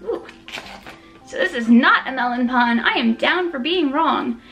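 A woman's voice: sits high, animated, measured pace, a bit bright, soft background music. A woman hosting a mukbang, chatting casually about desserts while chewing and tasting. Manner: chatty and self-deprecating, talks while chewing. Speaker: food vlogger.

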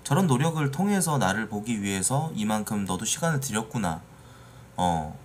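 Reacting to videos in a casual live-stream chat, a man in his late thirties bluntly teases and swears at viewers from his small green-screen room. He speaks at normal speed in a lowish, sing-song voice, with a little hiss or hum in the audio.

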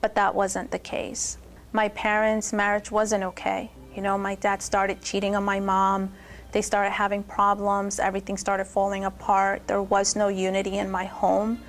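A young adult woman from Peru telling her personal testimony in a steady, earnest way. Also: medium pitch, normal speed. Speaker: testimony speaker.

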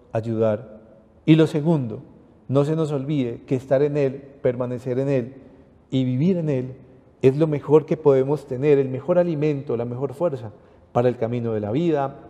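A man's voice: mid-range voice, warm tone, in a large hall. A priest with a Panamanian accent giving an earnest sermon, often calling his listeners brothers. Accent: Panamanian Spanish.

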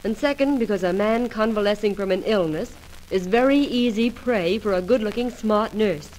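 An actress playing a smart, wisecracking young reporter in an old-time radio soap opera. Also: female voice, mid-range voice, normal speed, darkish tone, natural voice. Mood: brisk, confiding. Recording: noisy old radio recording.

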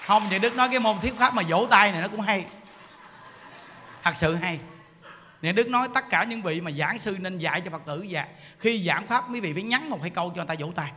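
A man, a Buddhist monk, giving an animated, joking dharma talk and acting out people's voices. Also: high voice, brisk, a little hiss or hum. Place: temple hall. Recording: hall reverb with faint ambience.

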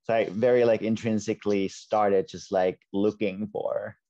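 Low dull-toned young Finnish man. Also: moderate pace. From Finland. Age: 20s. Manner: relaxed, lots of like and you know. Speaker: guest. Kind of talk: casual interview chat. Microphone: earbud mic on a video call. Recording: dull lo-fi video call audio.

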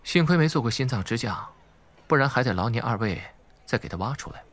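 Casting: male reader as rich young man, suave and taunting, slightly husky, lively swoops in the lines. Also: medium pitch, fairly quick. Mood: mocking. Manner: sardonic, smooth, taunting. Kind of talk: audiobook character acting.

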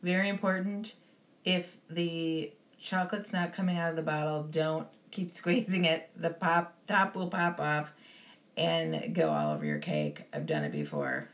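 A woman giving a relaxed, step-by-step baking lesson as a voice-over, with frequent ums. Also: deep voice, a little slow. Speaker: baking instructor. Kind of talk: instructional voice-over.

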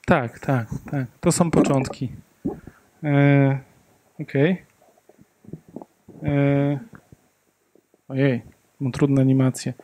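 A man in his thirties gives a tech meetup talk in a conference room through a handheld mic, hesitant, full of fillers and joking asides. His mid-range voice is steady and dark, very slow with frequent pauses, and there's a little hiss or hum.

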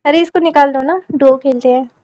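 A woman's voice: high-pitched, fairly even intonation, a little fast, dark tone. A young woman talking over in-game voice chat, bossy and dismissive toward a newcomer. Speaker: gamer girlfriend on voice chat. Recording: muffled game voice chat, faint noise.

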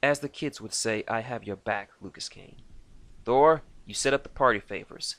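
A man's voice: mid-range voice, normal speed, fairly bright tone, natural voice. A man voicing a cool, professional female elf sniper who speaks in a cold, formal way.

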